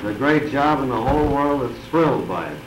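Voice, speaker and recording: A man's voice: medium pitch, expressive, brisk. A man conducting a formal, polite 1930s newsreel interview as the questioner. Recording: echoey 1931 newsreel with faint noise.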